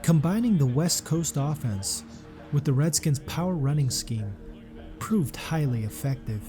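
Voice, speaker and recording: A man reading a scripted sports documentary narration in a measured, serious way. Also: a little high, lively intonation, warm tone, faint music behind.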